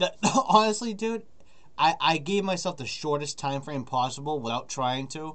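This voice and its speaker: This man has an unremarkable speaking voice, fairly high in pitch, with lively intonation and a moderate pace. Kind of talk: casual chat. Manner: joking, laughs a lot.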